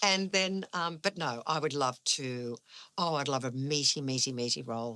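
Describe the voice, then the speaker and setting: Very deep and low in pitch, a woman with an Australian accent and a bright, sharp tone speaks at a moderate pace with lively intonation on a very clean recording with a silent background. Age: 60s. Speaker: actor. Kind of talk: casual chat.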